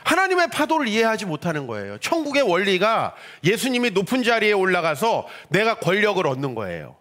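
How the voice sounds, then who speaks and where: Lively high-voiced male pastor preaching. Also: fairly quick. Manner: animated, rhetorical questions, acts out quoted voices. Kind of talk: sermon.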